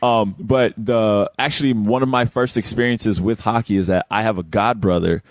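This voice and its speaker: A man's voice: on the low side, steady tone, moderate pace, no room sound. A young man from Houston reviewing a video game in a casual panel chat, laughing often and rambling with fillers. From Houston, Texas.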